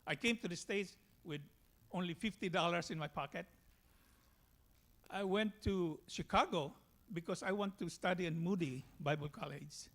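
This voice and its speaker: A man from the Philippines with a Filipino accent, giving a personal church testimony in a halting way. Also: sits high, fairly bright tone.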